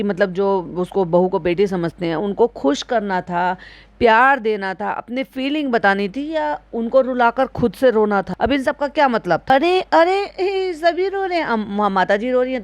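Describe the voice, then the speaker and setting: A woman's voice: medium pitch, moderate pace, no echo. A woman giving casual, critical reaction commentary in speech, asking pointed rhetorical questions.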